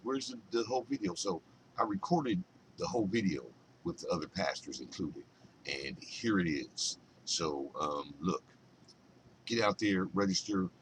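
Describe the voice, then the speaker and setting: Very deep, slow-talking man. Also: a bit bright, slight background noise. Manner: halting, filler-heavy, conversational. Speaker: video channel host. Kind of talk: casual video introduction.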